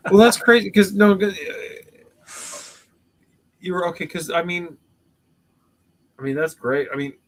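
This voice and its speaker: A man's voice: high-pitched, a little slow, long pauses. A man in his fifties from Canada, hosting a podcast in casual chat, rambling and swearing freely as he jokes around. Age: 50s. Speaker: podcast host.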